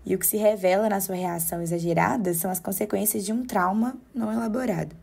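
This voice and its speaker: A woman giving measured, explanatory commentary as a podcast co-host, often tagging her points with questions. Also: mid-range voice, vocal fry, a little mellow, breathy edge.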